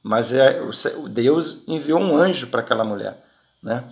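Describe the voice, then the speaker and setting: A man teaching from the Bible in a relaxed, conversational way, often checking in with his listeners and restarting his sentences. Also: mid-range voice, normal speed. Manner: frequent tag questions and restarts. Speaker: preacher.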